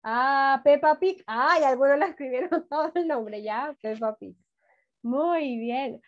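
Slow, coaxing teacher on a video call. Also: female voice, high-pitched. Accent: Chilean Spanish. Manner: slow, syllable-by-syllable dictation, coaxing children. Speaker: primary school teacher. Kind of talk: online class for first graders. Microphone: laptop mic on a video call. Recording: dull lo-fi video call audio.

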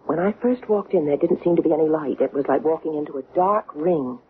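An actress playing an earnest, troubled woman under hypnosis in a radio drama, speaking haltingly. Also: deep voice, lively intonation, vocal fry, breathy edge, full character voice. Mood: trance-like recall. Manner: hesitant, halting. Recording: noisy, tinny old radio broadcast.

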